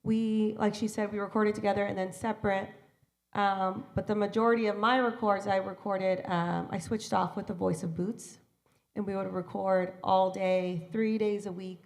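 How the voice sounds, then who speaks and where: A woman's voice: medium pitch, steady tone, moderate pace, gravelly. A woman in her thirties, a voice actor guest chatting animatedly on a convention panel with a handheld mic. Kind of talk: casual panel chat.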